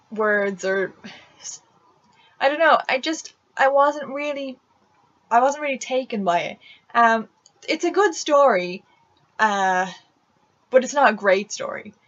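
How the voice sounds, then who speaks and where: Pausing long and often, a woman with a high pitch speaks at a fairly slow pace. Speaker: book reviewer. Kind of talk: casual talk to camera. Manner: hesitant, filler-heavy.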